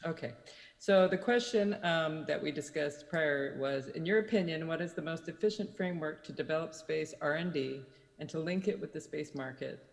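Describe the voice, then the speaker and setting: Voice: mid-range voice, normal speed, vocal fry. Informal panel moderator with reverb. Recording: long hall reverb.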